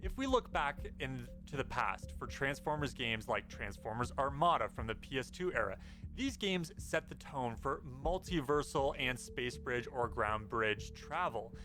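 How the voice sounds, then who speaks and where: Hosting a casual game news video, a man speaks as narrator over his footage at a measured pace, his mid-range voice expressive, pushed and bright against background music.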